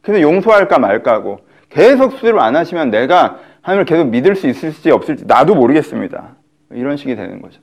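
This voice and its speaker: A middle-aged male pastor preaches in a high, lively voice. His pitch swoops widely as he acts out the grumbling of the people he describes. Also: fast, vocal fry. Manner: animated, acts out quoted complaints in shifting voices. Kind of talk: sermon.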